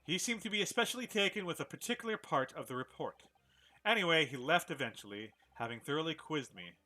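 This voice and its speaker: A polite, formal young gentleman recounts his ordeal in a put-on English accent, as a gamer reads the dialogue aloud. The tone is bright and clear, and the diction stays proper throughout. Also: a little high, animated, fast talker. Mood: earnest. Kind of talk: reading game dialogue aloud.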